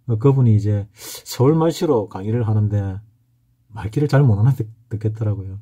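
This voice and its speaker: A man's voice: lowish voice, moderate pace, mellow, husky. A middle-aged man with a Gyeongsang Korean accent, giving a rambling, anecdotal lecture as a fortune-telling instructor. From Gyeongsang region, South Korea. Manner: rambling, anecdotal, frequent hesitations. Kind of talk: casual lecture.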